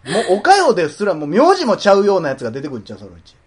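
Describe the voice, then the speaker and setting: Kansai man, podcast co-host, husky and animated, teasing banter. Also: high-pitched, very fast. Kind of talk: casual chat.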